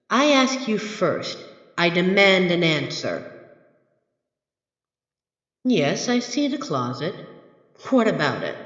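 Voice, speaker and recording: A woman voicing a smug, menacing monster from under the bed in an audio roleplay, haughty and taunting with drawn-out theatrical delivery. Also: on the low side. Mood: indignant, demanding. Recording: echoey reverberant hall, slightly dull.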